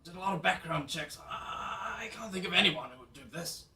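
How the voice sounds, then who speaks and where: A man's voice: high voice, lively intonation, fairly quick, sharp tone, heavily acted. A man voicing a flustered museum director trapped in his office, polite and a little bumbling. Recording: roomy, distant mic.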